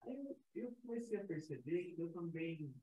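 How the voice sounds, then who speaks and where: A man's voice: a little high, sing-song, moderate pace, dark tone, slight background noise. Man, audience member, thoughtful, reflective, echoey room. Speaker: audience participant. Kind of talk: reflective answer in a discussion. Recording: roomy echo.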